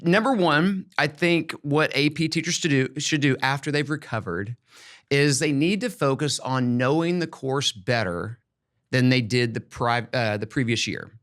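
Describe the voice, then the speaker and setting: A podcast host and education expert chats casually, offering encouraging, emphatic, folksy advice on teaching. His mid-range voice is fairly bright, at a moderate pace.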